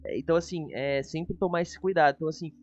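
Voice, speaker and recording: Brazilian guy hosting a chatty review, voice on the higher side, bit lo-fi, soft music behind. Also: fairly even intonation, fast. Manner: informal, chatty. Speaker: host. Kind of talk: casual review chat. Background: faint background music.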